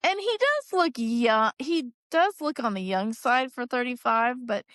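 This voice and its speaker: A woman's voice: fairly high pitch, expressive, unhurried, a bit bright, no echo, clean studio sound. A woman co-hosting a podcast, musing aloud in casual chat and restarting her sentences as she thinks. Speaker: podcast co-host.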